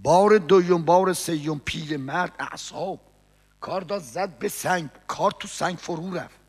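A man preaching a mourning sermon with chanted lament, swinging between hushed murmurs and shouts. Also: a little high, breathy edge. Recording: long hall reverb.

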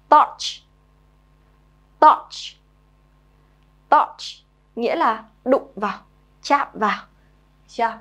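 A young woman who teaches English to children, coaxing her pupils and saying each new word slowly several times over. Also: on the high side, a bit bright. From Vietnam. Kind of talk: children's vocabulary lesson.

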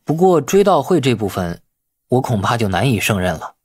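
A man's voice: mid-range voice, very animated, moderate pace, breathy edge. A man voicing an eager, obliging young nephew in audiobook dialogue of a city drama. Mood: eager, confident.

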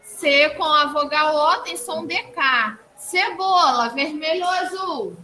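Patient high-voiced teacher woman. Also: pushed and bright, rough recording. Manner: slow, patient, explains and repeats answers. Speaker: primary school teacher. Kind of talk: online phonics lesson for young children. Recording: clear background noise.

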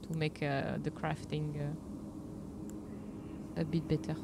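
A young woman with a French accent, streaming as a VTuber, talks with viewers during a game in a monotone, creaky voice at a measured pace against a noisy background. Even so, her manner is playful: she often bursts into giggles and goes high-pitched when protesting.

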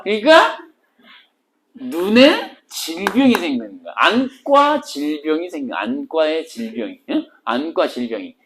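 A woman teacher giving an exam-prep literature lecture, animated and teasing, switching between polite and casual speech. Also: low-pitched, measured pace, crowd noise.

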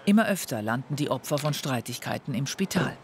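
A man narrating a crime documentary in a calm, factual, scripted manner. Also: mid-range voice, fairly quick, a little hiss or hum. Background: music under the voice.

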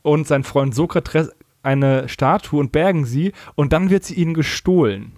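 A man's voice: fairly high pitch, moderate pace, a little mellow, dry recording, studio quality. A man co-hosting a podcast in casual, conversational chat. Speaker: podcast co-host.

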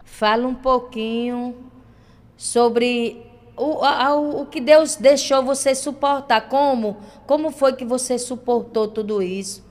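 A woman's voice: a little high, slow, darkish tone. A Brazilian woman pastor with a Brazilian Portuguese accent hosting a church radio interview, encouraging her guest with exclamations of praise.

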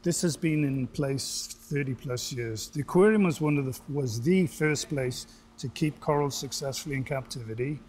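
Man from wales, older, aquarium director, relaxed storyteller, outdoor lapel mic, faint ambience. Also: medium pitch, moderate pace, few pauses, a little hiss or hum. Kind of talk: TV interview.

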